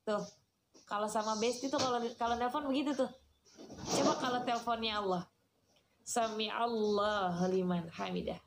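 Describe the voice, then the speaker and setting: A woman's voice: on the high side, brisk, long pauses, background noise. Chatty woman preacher in her forties. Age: 40s. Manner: chatty, teasing, addresses listeners as "Kak". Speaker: Islamic preacher. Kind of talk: lively sermon answering audience questions.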